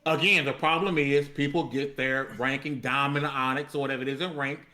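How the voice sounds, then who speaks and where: A man's voice: mid-range voice, fairly even intonation, a little fast, sharp tone. A man chatting casually on a gaming podcast in a slangy, emphatic way.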